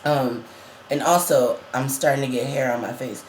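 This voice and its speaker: A trans man chats easily and laughs often, with plenty of ums along the way. His voice sits at a middling pitch and cracks now and then. The sound is roomy and echoey, with a faint hum behind it. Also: fairly even intonation, moderate pace. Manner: chatty, laughs often, many fillers. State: voice cracking, going up and down. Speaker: vlogger. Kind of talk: casual chat.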